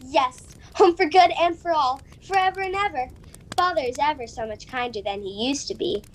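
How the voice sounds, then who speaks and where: A woman's voice: high voice, animated, normal speed, slight background noise. A woman voicing a loving, eager little sister in a radio play, sweet and earnest. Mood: eager, affectionate. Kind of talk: dramatic radio play acting.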